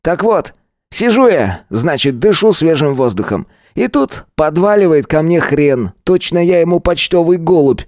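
A man's voice: on the high side, sing-song, moderate pace, darkish tone, no room sound, clean studio sound, voice pushed up. A man voicing a brash, mocking teenage schoolboy who taunts and swaggers.

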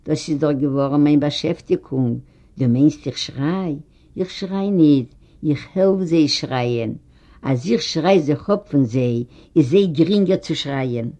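A reader voicing an old kibbutz man who drives an old car, gruff but kindly, talking in a folksy, joking way, a bit louder than the narration. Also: mid-range voice, slow. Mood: teasing. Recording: dull lo-fi recording.

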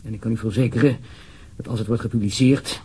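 A man's voice: medium pitch, fairly even intonation, fast, darkish tone, husky. A man with a Netherlands Dutch accent playing an uneasy, formal government official in a radio drama, wordy and hesitant. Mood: uneasy, grave.

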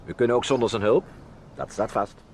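A man's voice: medium pitch, a little fast, a little mellow, a little hiss or hum, close to an everyday voice. An actor playing a firm, pragmatic family father in radio drama dialogue, speaking in terse, declarative phrases. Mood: resolute.

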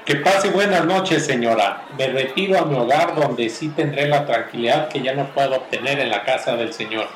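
A man with a Mexican accent playing a righteous, fussy, over-polite gentleman in an old-fashioned radio play. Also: mid-range voice, moderate pace, few pauses, natural voice. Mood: haughty farewell. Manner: pompous, formal, over-polite diction. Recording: roomy, noisy ambience with crowd behind.

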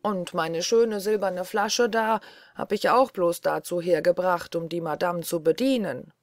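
A woman's voice: on the low side, fairly even intonation, no echo, studio quality, natural voice. A woman reading an audiobook, voicing a rude, haughty elder daughter in a fairy tale. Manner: sulky, disdainful, drawn-out.

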